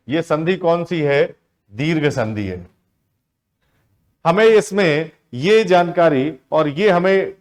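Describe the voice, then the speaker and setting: A man with a slightly high voice teaches a grammar lesson for exam prep. He keeps putting a question to his students and answering it himself, stretching out the key words as he goes. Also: darkish tone. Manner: asks the class questions and answers them himself, drawn-out words.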